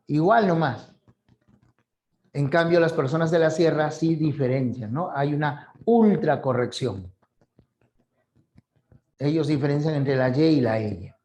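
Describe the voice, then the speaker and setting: A man's voice: on the high side, expressive, takes it slowly, pauses often, mellow. Peruvian man teaching, chatty and explanatory. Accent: Peruvian coastal Spanish. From Peru. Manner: conversational, frequent "¿no?" tags, acts out examples. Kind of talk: explanatory video lesson.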